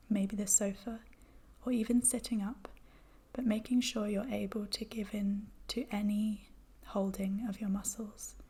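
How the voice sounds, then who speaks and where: Female meditation guide: hushed, mellow delivery, very even pitch, gentle and soothing, breathy texture. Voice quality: soft, breathy, whispery. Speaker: yoga nidra guide.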